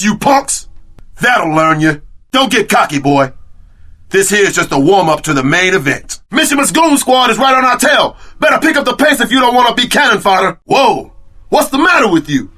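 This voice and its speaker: Brash former security chief for an action game: rough-edged, animated delivery, swaggering slang, out for payback. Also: male voice, high voice, no room sound, studio quality, exaggerated voice. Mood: cocky, then urgent, barking. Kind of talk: video game voice acting.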